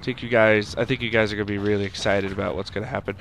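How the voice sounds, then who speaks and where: A young man with a stuffy nose from a cold, rambling through casual let's-play commentary and shouting at the game now and then. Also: lowish voice, steady tone, racing, gravelly, slight background noise. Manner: rambling, makes sound effects and shouts at the game.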